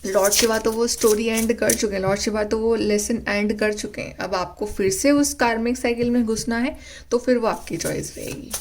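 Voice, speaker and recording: A woman's voice: fairly high pitch, normal speed, darkish tone, a little hiss or hum. A woman giving a spiritual tarot reading, talking earnestly in a coaching manner and mixing Hindi with English. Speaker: tarot reader.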